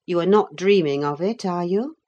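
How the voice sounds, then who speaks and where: A woman's voice: lowish voice, darkish tone, lo-fi sound, lightly acted. A woman voicing a stern, middle-aged housekeeper in an audiobook reading, firm and scolding. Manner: firm and brisk.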